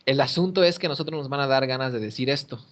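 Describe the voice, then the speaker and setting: A man's voice: medium pitch, fast. A man teaching English one-on-one over a video call, patiently explaining and modelling pronunciation. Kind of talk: one-on-one online English lesson. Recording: muffled lo-fi call audio.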